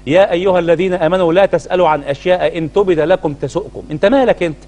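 A man's voice: high voice, very fast, darkish tone. A middle-aged man with an Egyptian accent, a Muslim cleric co-hosting a talk show, firing off indignant rhetorical questions. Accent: Egyptian Arabic. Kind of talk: heated studio talk-show commentary.

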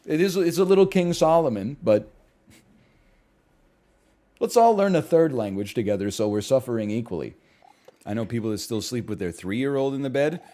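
A man in his thirties chatting while he plays, at a middling pitch. He riffs in an animated way, jumping between loud bursts and muttered asides, heard close on a headset mic in a small home room. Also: normal speed, long pauses. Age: 30s. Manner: animated riffing, swings loud and quiet for bits. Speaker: streamer. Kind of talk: casual gaming stream chat.

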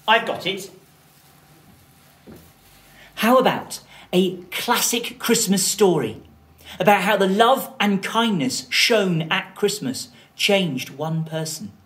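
Female children's storyteller, theatrical, slow and deliberate, highly animated intonation. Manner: dramatic, deliberate phrasing.

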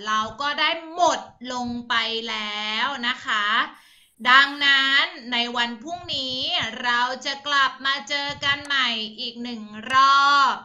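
A young woman teaches a primary English class over a video call. Her voice is high and very bright, and she talks slowly. She coaxes her pupils gently and spells words out letter by letter. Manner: slow, gentle, coaxing, calls pupils "ลูก", spells words out.

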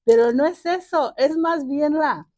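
A woman's voice: sits high, unhurried, darkish tone, dry recording, clean studio sound. An older woman, hosting a casual gardening vlog, chatty and joking, with many fillers and a fond tone toward her plants. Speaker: gardening channel host. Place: home garden outdoors.

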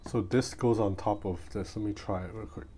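A gadget reviewer unboxes a product in a casual vlog, his low, mellow voice moving fairly quickly with fairly even intonation as he comments off the cuff. He records in a small room at home where outside street noise is clearly audible.

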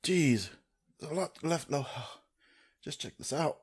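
Man gasping after eating burning-hot horseradish, very slow. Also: a little high, animated, husky. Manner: slow, broken utterances with groans, sighs and exclamations. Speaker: vlogger doing a food challenge. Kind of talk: casual reaction to camera while eating. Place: small home room with desk. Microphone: studio condenser mic on boom arm, close.

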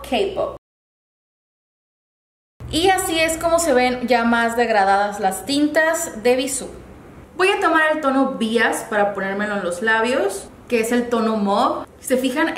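Young woman chatting through a makeup review, high voice, echoey room w/ faint hiss. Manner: chatty, upbeat and friendly. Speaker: beauty vlogger. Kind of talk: casual product review.

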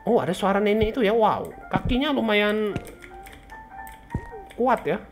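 A young woman giving casual let's-play commentary, chatty, repeating words in quick bursts and often addressing her viewers. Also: mid-range voice, expressive, soft background music. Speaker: gaming channel host.

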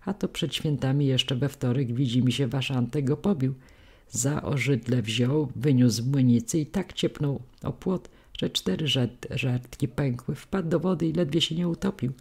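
A woman voicing a sharp-tongued old village gossip woman, scolding in folksy peasant speech. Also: a bass voice, moderate pace, vocal fry, husky, exaggerated voice. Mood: spiteful.

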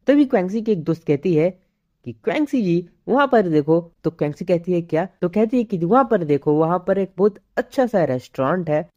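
A woman narrating an anime recap, retelling the plot and reading each character's lines in a plain, steady way. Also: lowish voice.

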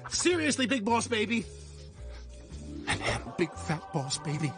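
Cartoon baby executive, impatient, cocky, businesslike, swooping intonation, music behind. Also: male voice, high voice, wildly swooping pitch, full character voice. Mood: proud. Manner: brisk, businesslike, self-important. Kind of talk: animated film acting.

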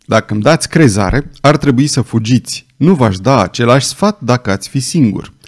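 A man's voice: mid-range voice, expressive, close to an everyday voice. A man playing an earnest young knight. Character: young, loyal male knight.

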